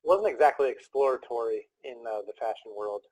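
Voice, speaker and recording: A man's voice: medium pitch, a little fast, a little mellow, dry recording, low-quality recording. A man hosting a casual interview podcast, talking in an upbeat, chatty, joking way. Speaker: podcast host.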